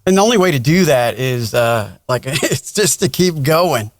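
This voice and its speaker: A man's voice: medium pitch, expressive, normal speed, no echo, studio quality. A man chatting casually as a podcast host, informal and encouraging, rambling along with some animation. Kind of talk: casual chat.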